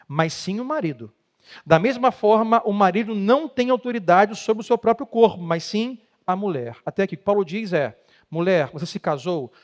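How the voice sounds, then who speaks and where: A man's voice: high-pitched, a little mellow. A middle-aged man with a Brazilian Portuguese accent, a pastor preaching emphatically on marriage. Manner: emphatic preaching, acts out quoted spouses. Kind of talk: sermon talk on marriage.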